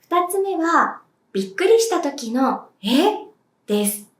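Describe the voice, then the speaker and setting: A woman teaching as a language teacher, speaking clearly and deliberately and demonstrating sounds for viewers to repeat. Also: sits high, very animated. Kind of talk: slow, clear pronunciation lesson. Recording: echoey room.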